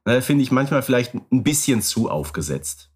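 A man co-hosting a casual podcast, giving his views in a relaxed way with fillers and tags. His voice is middle-pitched and plain. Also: moderate pace, husky. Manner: relaxed, thinking aloud with ähm and ne. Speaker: podcast co-host.

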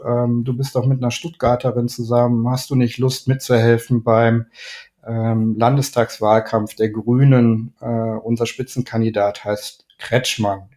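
A middle-aged man from Düsseldorf chats as a guest in a podcast interview. He talks in a loose, rambling way, full of fillers and restarts, in a voice of middle pitch. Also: a little mellow. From Düsseldorf, Rhineland. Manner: chatty, many fillers and restarts. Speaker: guest, ad man and gallery owner.

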